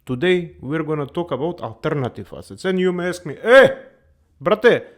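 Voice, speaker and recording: Guy doing a jokey money show, kinda high voice, hammy and playful. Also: animated, normal speed. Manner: playful exaggerated Balkan-English delivery, repeats "my friends". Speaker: comedic finance show host. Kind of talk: comedic character monologue.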